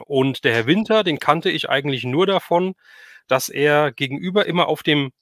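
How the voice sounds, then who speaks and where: A man's voice: fairly high pitch, expressive, normal speed, fairly bright tone. A middle-aged man, chatting casually and reminiscing as he hosts a livestream. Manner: reminiscing, conversational. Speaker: livestream host. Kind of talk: casual chat.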